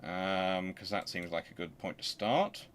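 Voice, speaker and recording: A man hosting a history channel, explaining informally and thinking aloud in a halting, conversational way. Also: low voice, a bit bright, a little hiss or hum. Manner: conversational, halting, muttering to himself while working.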